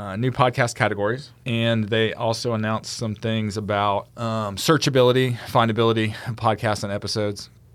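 At a moderate pace, a man with an ordinary speaking voice talks at a medium pitch. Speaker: podcast host. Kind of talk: casual chat. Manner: talkative, upbeat.

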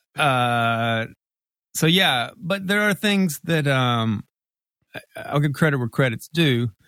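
Speaking very slowly with long, frequent pauses, a man with a fairly high voice talks in a Southern US accent. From US South, Mississippi. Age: 40s. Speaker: alt-country musician. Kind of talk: casual chat.

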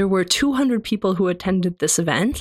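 A woman with a Canadian accent talks at a fairly quick pace in an unremarkable speaking voice of medium pitch, recorded dry and close with no echo on a very clean track with a silent background. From Canada. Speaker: pro-life advocate. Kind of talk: interview. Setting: studio.

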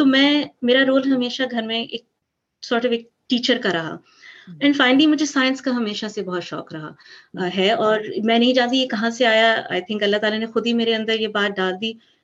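A woman with a plain, everyday voice, fairly high-pitched, with ordinary pitch variation against a quiet background. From United States. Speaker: children's book author, doctor. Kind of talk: interview.

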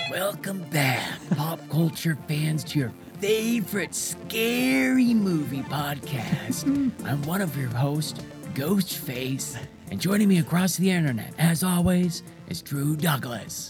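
A put-on character voice speaks at a fairly slow pace and a middle pitch. Music is clearly heard in the background. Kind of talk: podcast host intro. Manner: menacing, straining to hold the voice.

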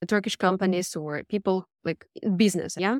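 A woman's medium-pitched voice with a Russian accent, very clean recording with a silent background. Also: dry, close sound with no echo. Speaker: language teacher. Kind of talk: interview.

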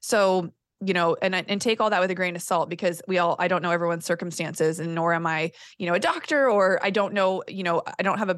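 The background is quiet. A woman with an ordinary speaking voice talks at medium pitch and a fairly quick pace. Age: 40s. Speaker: podcast coach and former beauty entrepreneur. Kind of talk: casual interview chat.

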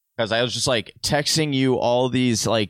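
A man with a plain, everyday voice speaks at medium pitch and moderate pace with fairly even intonation, the sound dry and close with no echo on a very clean recording with a silent background. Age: 30s. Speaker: fantasy football podcast co-host. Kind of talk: casual chat.

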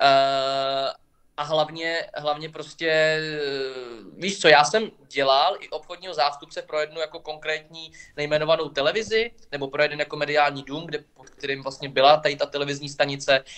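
A man at a moderate pace, with big swings in loudness and fairly even intonation. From Czech Republic. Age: 20s. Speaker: event producer and MC. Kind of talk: casual interview. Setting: livestream.

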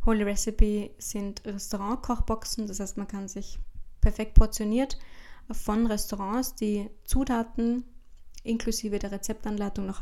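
The voice is dark and mellow, moving at a moderate pace. Its intonation stays monotone and flat. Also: woman. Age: 30s. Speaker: podcast co-host. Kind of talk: casual chat.

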